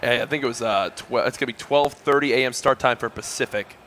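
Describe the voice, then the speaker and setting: A man's voice: medium pitch, fast talker, fairly bright tone, a little hiss or hum. A male esports commentator trading easygoing jokes with his co-caster while they wait for a match. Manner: joking, easygoing banter. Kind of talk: casual caster banter between matches.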